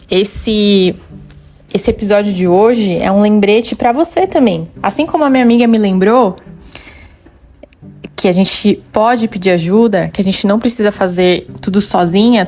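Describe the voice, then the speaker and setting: A woman's voice: medium pitch, normal speed, a little mellow. A woman with a Brazilian Portuguese accent hosting a podcast, chatting through a personal story with quoted dialogue and then speaking earnestly and encouragingly to her listeners. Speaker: podcast host. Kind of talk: personal storytelling and motivational monologue.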